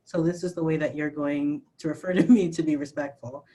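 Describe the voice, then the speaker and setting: Calm, explanatory trans trainer with a higher voice. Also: a little fast. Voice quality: fairly high voice. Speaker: trainer and panel moderator. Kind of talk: training talk and moderating.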